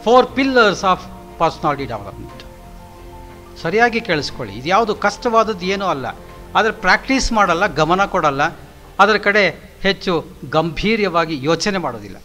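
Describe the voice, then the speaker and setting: A man's voice: high-pitched, sing-song, a little slow, pushed and bright, faint music behind. A middle-aged male professor giving a motivational lecture, stressing his points with repetitive lists and English phrases mixed in. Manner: emphatic, repetitive lists, mixes in English words.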